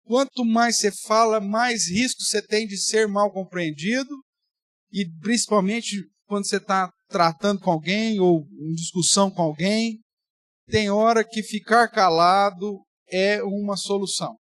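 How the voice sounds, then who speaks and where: A man's voice: high-pitched, steady tone, a little slow, fairly bright tone, dry recording, studio quality. A man, a pastor teaching a Bible study in a conversational way with playful exaggeration. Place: church.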